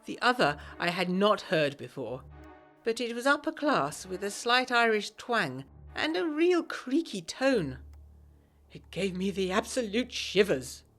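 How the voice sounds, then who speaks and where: A woman's voice: medium pitch, sing-song, unhurried, fairly bright tone, faint music behind. A woman playing an eager, self-pleased 1920s lady narrating a gothic audio drama in genteel, bookish diction. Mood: tense.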